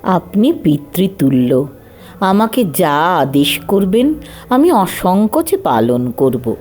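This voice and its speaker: A woman's voice: lowish voice, big pitch swings, takes it slowly, darkish tone. A woman playing a dutiful, submissive daughter-in-law in a dramatised story, earnest and deferential. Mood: earnest obedience. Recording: music behind the voice.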